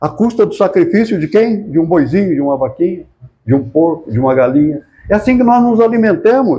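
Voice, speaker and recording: A man's high-pitched voice with a dark, mellow tone, lively intonation and a moderate pace. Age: 80s+. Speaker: spiritist lecturer. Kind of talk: lecture. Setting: hall with live audience. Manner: conversational, engaging audience with questions.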